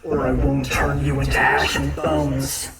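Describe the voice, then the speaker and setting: A man voicing a menacing male hero with a scary, gravelly voice, threatening in a genuine tone. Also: mid-range voice, level tone, a little slow, far from the mic, loud music behind the voice, pitched below the performer's own voice.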